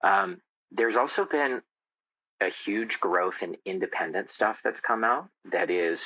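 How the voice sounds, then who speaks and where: A man talking as a podcast guest in a casual, explanatory way, halting as he thinks aloud. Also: lowish voice, lively intonation, slightly rough, no room sound, lo-fi sound. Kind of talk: casual interview chat.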